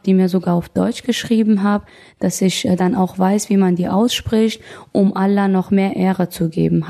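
A woman in her thirties from Afghanistan, thoughtfully telling her own story as an interview guest, often pausing and restarting. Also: medium pitch, dark tone. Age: 30s. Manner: thoughtful, searching for words, frequent restarts. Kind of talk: personal testimony in conversation.

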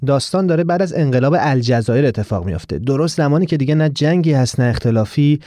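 A chatty young man who jokes around with his friend, played by a male narrator. The storybook voice is mellow and dark, close to a dry mic. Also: mid-range voice, lively intonation, dry recording, close to an everyday voice. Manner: playful and teasing, then earnest. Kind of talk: audiobook character voice.

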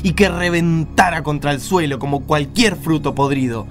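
A man's voice: on the high side, moderate pace, soft background music, natural voice. A man acting a mocking, vindictive disciple in a radio drama, sneering and taunting. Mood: scornful, vindictive.

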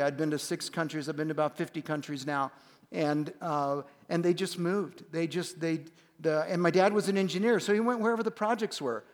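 A man in his fifties telling a family story to a church congregation in an earnest way. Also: on the high side. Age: 50s. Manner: earnest, with frequent uh fillers. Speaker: church guest speaker. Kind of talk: storytelling on stage. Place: large church auditorium. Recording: long hall reverb.

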